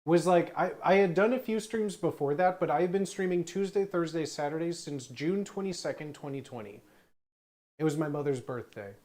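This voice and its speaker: A man in his thirties, a streamer and former bartender, chatting casually in a rambling way with quick asides. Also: on the high side, darkish tone. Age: 30s.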